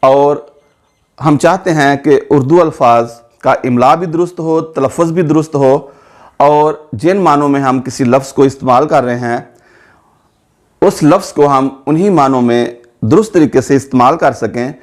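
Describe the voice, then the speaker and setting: A man's voice: medium pitch, moderate pace. A man with a Pakistani Urdu accent teaching a spelling lesson, spelling words out letter by letter and drawing out each example word. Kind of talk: slow, methodical spoken lesson.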